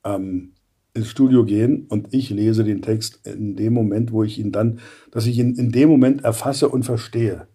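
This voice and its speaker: Older male voice actor guest in his sixties, mellow and husky, lively storyteller who acts out bits. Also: lowish voice, moderate pace. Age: 60s. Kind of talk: casual interview chat.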